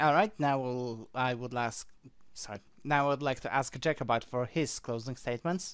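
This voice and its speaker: A man with a non-native accent speaks at a medium pitch. His pace is moderate and his pitch variation ordinary. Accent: foreign accent, self-described as horrible. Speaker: debate moderator. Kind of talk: moderating a debate.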